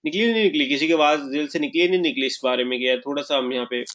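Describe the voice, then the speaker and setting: A man's voice: on the high side, fast talker, fairly bright tone. A man teaching a live online marketing webinar, often asking his class questions and mixing English terms into his explanations.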